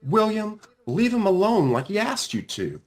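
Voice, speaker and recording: A man's voice: high-pitched, wildly swooping pitch, moderate pace, pitched above the performer's own voice. A man voicing an earnest, conscience-stricken young schoolboy in a storybook, speaking with emphatic pleading. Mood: anxious, earnest.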